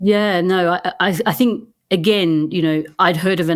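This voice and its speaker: At a moderate pace and with fairly even intonation, someone speaks in an Australian accent in a very clean recording with a silent background. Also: woman. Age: 50s. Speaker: wealth-building programme member. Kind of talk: podcast interview.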